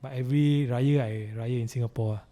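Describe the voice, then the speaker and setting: A middle-aged Malaysian man talking casually as a rapper guest on a podcast, animated and quick to laugh. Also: medium pitch. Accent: Malaysian English.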